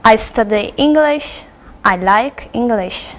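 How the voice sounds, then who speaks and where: A woman in her twenties from France, a student in a scripted classroom dialogue, speaking in slow, simple sentences. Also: fairly high pitch, animated, a bit bright. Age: 20s.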